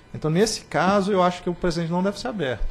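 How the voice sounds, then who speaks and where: Fairly high male voice with a Brazilian accent over music in the background. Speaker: regulatory agency board member. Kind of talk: deliberative discussion. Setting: public board meeting.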